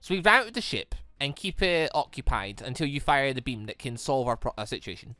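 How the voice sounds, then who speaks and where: A man hosting a let's play, reading visual novel dialogue aloud in an animated way and reacting excitedly as he goes. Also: medium pitch, brisk, no room sound, faint music behind. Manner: animated, stumbles while reading and exclaims at the story.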